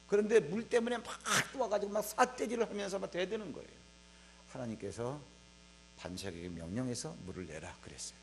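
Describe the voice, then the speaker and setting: A male head pastor preaches a Sunday sermon in a conversational, animated way, acting out the scripture he reads. His voice is high and swings widely across his phrases. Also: a little hiss or hum.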